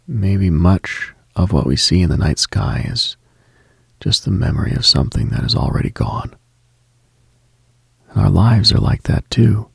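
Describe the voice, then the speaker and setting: In a hushed, reflective late-night radio monologue, a host muses on spiritual matters in a very low voice thick with vocal fry, extremely husky and breathy. The recording is studio quality with no room sound.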